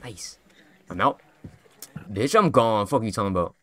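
A young man giving casual, profane commentary as he plays a horror game, often breaking into loud yelps and swearing at what happens on screen. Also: fairly low pitch, animated, normal speed. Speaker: gaming YouTuber.

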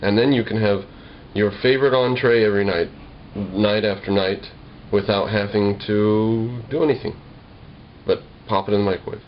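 A young adult American man's voice, on the low side with fairly even intonation, comes at normal speed. He's a video blogger explaining things casually to camera, wry and slightly formal, in a homemade vlog recorded as dull lo-fi home video with noise.

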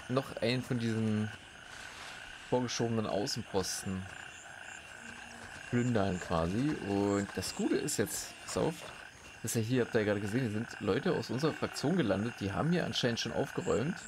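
A man's voice: mid-range voice, background noise. A man giving casual, chatty commentary while playing a game, tense and swearing now and then. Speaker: gaming commentator.

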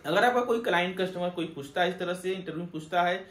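A man's voice: high-pitched, fast talker, fairly bright tone, roomy sound. A young man, host of a technician channel, explaining to the camera and asking himself rhetorical questions as he teaches. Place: indoor room with plain backdrop.

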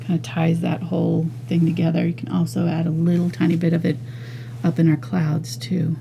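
A woman teaching an acrylic painting lesson, talking casually and thinking aloud as she works, with soft murmured asides. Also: on the low side, monotone, a little fast, gravelly, slight background noise. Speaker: painting instructor. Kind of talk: relaxed step-by-step art lesson.

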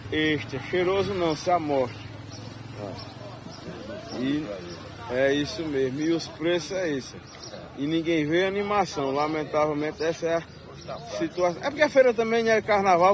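A man, hosting a casual vlog while walking a street market, chatty and drawn out as he quotes prices. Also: on the high side. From Northeast Brazil. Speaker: channel host filming a market. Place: busy outdoor street market. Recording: outdoor street market crowd noise. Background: crowd chatter and traffic.

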